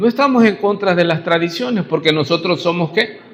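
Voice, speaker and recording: The intonation is lively throughout. Audible room echo and noticeable background noise surround the voice. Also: man. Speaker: pastor. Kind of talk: sermon. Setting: church service. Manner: animated, many rhetorical questions.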